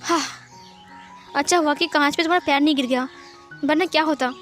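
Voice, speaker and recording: A woman acts out a protective middle-aged mother who fusses and scolds. The voice is high and chiding. Quiet music sits in the background. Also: fairly even intonation, a little fast. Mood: scolding. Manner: scolding, fussing.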